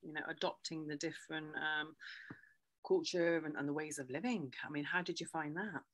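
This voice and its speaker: A woman's voice: low voice, fairly even intonation, normal speed. A woman hosting an interview podcast, talking with many hesitations and fillers. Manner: warm scripted intro, then hesitant with fillers. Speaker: podcast host.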